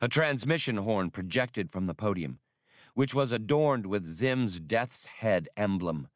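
A man narrates an adventure audiobook in a low voice. His delivery is measured and expressive, like a storyteller at work. The sound is very dry, with no room on it. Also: no room sound. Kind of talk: scripted dramatic narration of a science fiction adventure.

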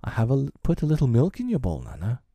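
Blustery wounded dad from a storybook, guy reading him out, pompous and whiny, big swoopy pitch. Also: huge pitch swings, fast, mellow, no echo. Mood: sly coaxing. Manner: bombastic, wounded, prone to roaring. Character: blustering, self-pitying middle-aged father, loud and petulant.

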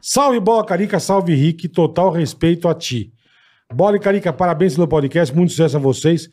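Enthusiastic co-host, slangy. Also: male voice, a little high, animated, brisk, darkish tone. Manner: enthusiastic, swears a lot, lots of slang. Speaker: podcast co-host. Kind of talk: casual chat.

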